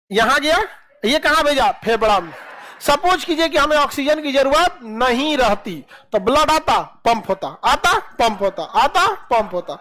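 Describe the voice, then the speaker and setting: A man teaching a class, firing questions and answering them himself in a lower aside, with rustic colloquial jokes. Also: pushed and bright, poor audio. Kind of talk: classroom lecture with call-and-response.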